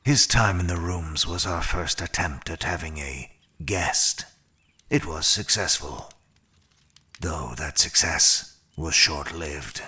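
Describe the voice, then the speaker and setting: A cold, formal immortal attendant for an audio drama. The voice is deep and extremely husky, and the words come slowly, blunt and curt, over music. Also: male voice, bright, forceful tone, exaggerated voice. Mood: formal, measured.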